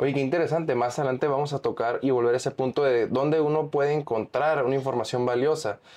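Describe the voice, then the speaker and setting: The speech comes at a very fast pace with hardly any pauses. Intonation is fairly even and loudness very even. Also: man, fairly high pitch for a man. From Mexico. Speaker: podcast host. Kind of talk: interview. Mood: interested, friendly. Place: studio.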